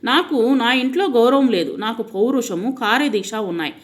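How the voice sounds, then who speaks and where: A woman's voice: a little high, expressive, normal speed, pitched above the performer's own voice, natural voice. A woman voicing a young prince boy who is hurt and determined and pleads earnestly. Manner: pleading, earnest child's questions.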